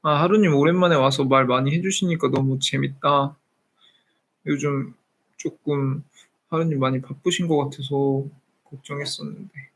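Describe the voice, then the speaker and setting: A man's voice: a little high, fairly even intonation, normal speed. A 30-year-old man hosting a live stream, chatting casually with viewers and slipping between polite and informal speech.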